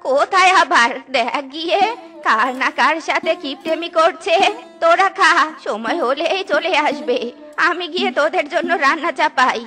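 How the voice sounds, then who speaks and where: Old duck mother, comedy cartoon, woman performer: bright, weary, fussing, scolding. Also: high-pitched, normal speed, faint music behind. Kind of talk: Bengali comedy cartoon dialogue.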